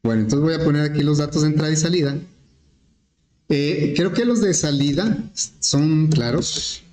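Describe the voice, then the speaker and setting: A male teacher explaining an algorithm step by step in a relaxed lesson, with frequent fillers. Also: fairly high pitch, moderate pace. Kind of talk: programming lesson. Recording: echoey classroom with faint noise.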